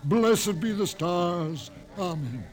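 A man's voice: high-pitched, animated, slow. An actor playing a devout doomsday cult man in a 1950s radio drama, preaching in exclamatory, folksy bursts. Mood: fervent. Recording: old radio broadcast with music.

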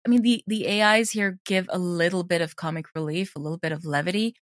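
A woman's voice: fairly low pitch, fairly even intonation, quick pace, no room sound, studio quality. A woman talking casually and reflectively as the guest in an interview about her creative work. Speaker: interviewed audio drama creator.

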